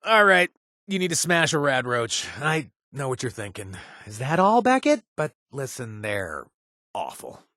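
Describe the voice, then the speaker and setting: A man's voice: medium pitch, wildly swooping pitch, a little slow, sharp tone, no room sound, clean studio sound, full character voice. An actor playing a laid-back, wisecracking young male mercenary in a video game, talking casually with joking asides and filler sounds. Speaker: quest-giving companion. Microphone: dry studio recording.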